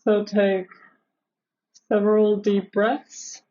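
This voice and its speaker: Even-toned woman guiding meditation, slightly muffled. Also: mid-range voice. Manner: measured, instructional, with long pauses between phrases. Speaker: meditation guide. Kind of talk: guided meditation, live session.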